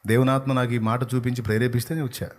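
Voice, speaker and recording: A male pastor with a Telugu accent preaching an evangelical sermon, scolding and urging his listeners, swinging between loud outbursts and hushed lines. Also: medium pitch, level tone, rapid-fire.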